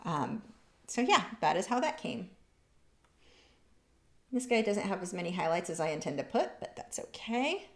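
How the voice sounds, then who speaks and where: A woman's voice: fairly low pitch, very animated, moderate pace, creaky, long pauses, fairly bright tone, reverberant. A woman running a live painting lesson, chatting casually and reading out viewers' comments as she works. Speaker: art instructor. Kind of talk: live painting tutorial with chat.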